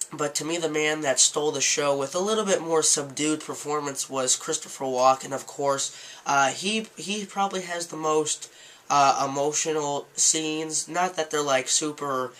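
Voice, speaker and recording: A man's voice: mid-range voice, bright, forceful tone. A sick man with a stuffy nose and a nasal voice, talking through a casual movie review vlog and often breaking off to restart his sentences.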